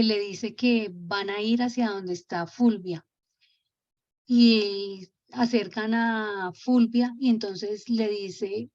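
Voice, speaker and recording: A woman retelling a spiritual book in a conversational way, often pausing and restarting, on a dull lo-fi recording. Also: medium pitch, darkish tone. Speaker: storyteller.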